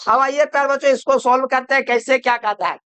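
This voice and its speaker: A man's voice: extremely high pitch, fairly even intonation, fast, a bit bright, clean tone, no echo. A man teaching chemistry in a lecture, often calling students dear children and answering his own questions. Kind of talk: classroom lecture.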